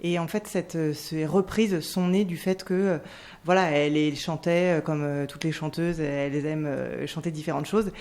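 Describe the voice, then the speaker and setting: Low-toned woman manager on radio. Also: steady tone, normal speed, darkish tone. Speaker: artist's manager. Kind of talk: radio interview. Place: radio studio.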